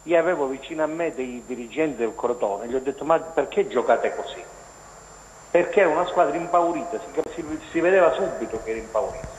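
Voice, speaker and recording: A man's voice: medium pitch, expressive, a little fast. A male journalist heard over the phone, giving casual sports commentary in a rambling way with many restarts and fillers. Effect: heard over a phone line. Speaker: journalist phoning in to a TV sports show. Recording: echoey hissing phone line.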